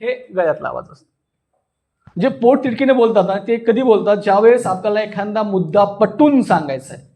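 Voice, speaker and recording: High-voiced man coaching a class. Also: warm tone. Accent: Marathi. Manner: demonstrative, checks understanding with questions. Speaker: voice and public speaking coach. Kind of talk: interactive workshop teaching.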